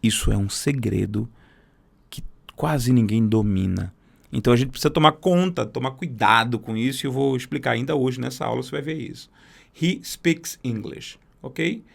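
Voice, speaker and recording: A man teaching a beginner English class, patiently explaining grammar and slowly modelling words. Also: mid-range voice, creaky.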